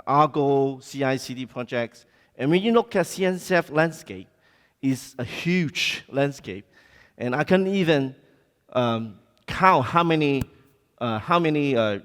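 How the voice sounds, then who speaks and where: Male conference speaker, Hong Kong accent, medium pitch, informal and halting phrasing, reverberant hall sound. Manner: halting, informal, non-native English phrasing. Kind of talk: conference presentation. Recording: echoey hall, long reverb.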